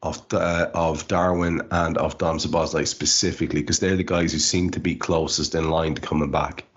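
A man's voice: extremely low pitch, level tone, normal speed, husky. A man hosting a casual podcast chat who leads the discussion and puts questions to his co-hosts. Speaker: podcast host. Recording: dull lo-fi podcast audio.

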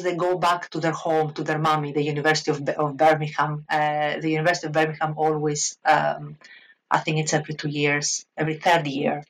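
A low-pitched woman from Crete speaks with a clear Greek accent. She answers interview questions in a lively, chatty way, with plenty of fillers and laughter along the way. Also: poor audio. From Crete, Greece. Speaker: guest author, art historian.

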